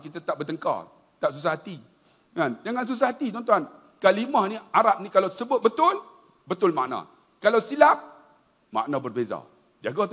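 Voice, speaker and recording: A man's voice: on the high side, husky. A middle-aged man with a Malaysian Malay accent giving a humorous religious lecture, telling stories and often addressing his audience directly. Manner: animated storytelling, addresses audience as tuan-tuan. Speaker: preacher.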